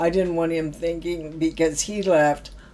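A woman with an American accent speaks in a very deep, low pitch at a moderate pace, her intonation monotone and flat. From Topeka, Kansas. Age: 70s. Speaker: retired youth worker and foster parent. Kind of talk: casual interview chat. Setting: studio.

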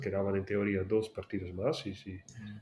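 A man's somewhat breathy voice at a fairly low pitch. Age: 30s. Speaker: retired basketball player. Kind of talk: casual interview. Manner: halting.

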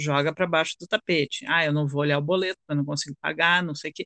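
A woman speaks very fast in a bright, sharp tone. The sound is dry and close with no echo. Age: 40s. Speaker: financial educator. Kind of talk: casual chat.

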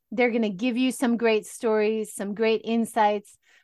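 Against a quiet background, a woman with a Hawaiian accent speaks at a fairly high pitch. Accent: American (Hawaii). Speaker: travel business consultant. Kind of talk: interview.

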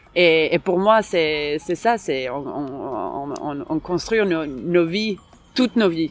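Over noticeable background noise, a woman with a Finnish accent talks very slowly at a fairly low pitch, her intonation lively. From Finland, Helsinki. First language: Finnish (speaking French). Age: 30s. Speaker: DJ and dancer. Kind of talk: interview. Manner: halting, repeats words.

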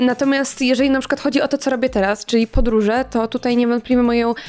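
A woman's fairly high, monotone voice with flat intonation at a very fast pace. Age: 20s. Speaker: influencer and fashion brand owner. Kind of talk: casual interview. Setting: studio.

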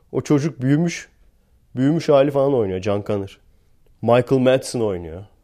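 At a moderate pace, a man with a medium pitch and a dark, mellow tone speaks with lively intonation on a very clean recording with a silent background. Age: 30s. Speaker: podcaster. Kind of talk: casual monologue.

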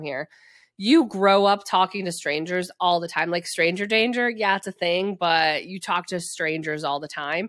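Recorded very cleanly against a silent background, a woman with a Wisconsin accent speaks at a medium pitch. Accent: Wisconsin Midwestern. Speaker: marketer and podcast host. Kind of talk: casual chat.

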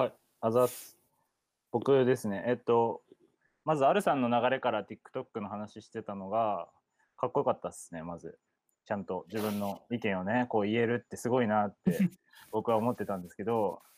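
On a very clean recording with a silent background and a dry, close sound with no echo, a man with a medium pitch speaks in an ordinary speaking voice at a moderate pace with ordinary pitch variation. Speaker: podcast participant. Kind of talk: casual chat.

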